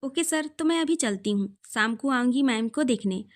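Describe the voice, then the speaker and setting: A woman's voice: a little high, animated, normal speed, no room sound, clean studio sound, lightly acted. A woman voicing a polite, modest young female doctor in a storybook reading.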